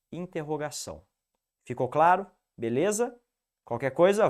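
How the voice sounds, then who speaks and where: A male English teacher with a Piracicaba accent, giving an animated, didactic video lesson and repeating the rules for the student. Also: a little high. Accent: Piracicaba interior São Paulo, rolled R.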